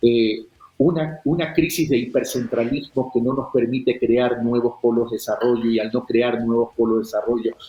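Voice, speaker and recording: Noticeable background noise under a man's moderate pace, medium pitch and fairly even intonation. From Ecuador, Guayaquil. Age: 60s. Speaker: presidential candidate. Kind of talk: political interview. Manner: halting, with fillers and repetitions.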